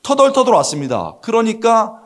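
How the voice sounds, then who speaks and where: A middle-aged man pastor giving a lively sermon in a church, acting out the characters and asking the congregation questions. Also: sits high, normal speed. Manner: animated storytelling, voices Bible characters, asks the congregation questions. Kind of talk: lively sermon with acted-out quotes. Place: church sanctuary.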